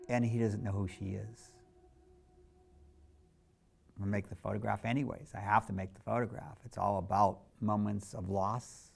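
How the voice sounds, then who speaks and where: A man's voice: lowish voice, little pitch movement, moderate pace, creaky, long pauses, a little hiss or hum. A middle-aged male photographer narrating a documentary in a candid, reflective storytelling manner.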